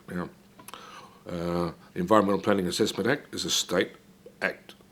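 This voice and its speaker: Speaking in an Australian accent, a man has a very deep, low pitch. He keeps a moderate pace with fairly even intonation. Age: 60s. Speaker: local mayor. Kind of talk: interview. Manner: halting, many fillers and restarts.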